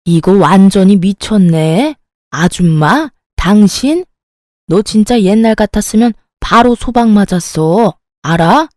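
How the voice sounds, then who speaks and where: A woman's voice: mid-range voice, expressive, slow, darkish tone, no room sound, clean studio sound. Woman voicing a scolding haughty mother-in-law. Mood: furious scolding. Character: scheming bossy older mother-in-law.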